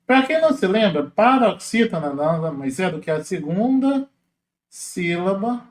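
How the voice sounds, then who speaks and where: A man walks through exam questions as a teacher, in a casual, explanatory way, slowing down to spell out syllables. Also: sits high, very animated, echoey room. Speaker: Portuguese teacher.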